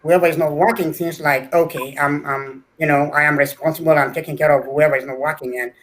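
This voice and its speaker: A man's voice: a little high, steady tone, brisk, rough recording. A middle-aged man from Kenya, a scholar answering interview questions earnestly, often repeating words as he builds a point. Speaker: guest scholar.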